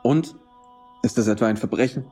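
Man as a fervent young preacher, medium pitch. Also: fairly quick, mellow, breathy edge, soft background music, close to an everyday voice. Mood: defiant. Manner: earnest, formal, insistent. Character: fervent, devout youth preacher, naive yet defiant. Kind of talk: German radio play acting.

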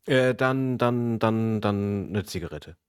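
Man, low voice, casual podcast co-host, dry joking answers, close dry mic. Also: slow, darkish tone, smooth, dry recording.

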